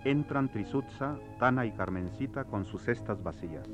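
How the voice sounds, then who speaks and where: A man's voice: medium pitch, expressive, normal speed, over music. A man giving scripted narration of stage directions for a play. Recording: slightly dull lo-fi drama recording.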